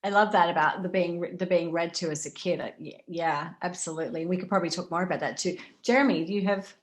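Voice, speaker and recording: A woman's voice: fairly low pitch, fast talker. Chatty woman moderating an informal panel.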